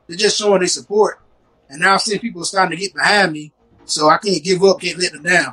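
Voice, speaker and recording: Speaking with fairly even intonation, the man has a high voice. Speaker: independent musician and entrepreneur. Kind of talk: casual interview.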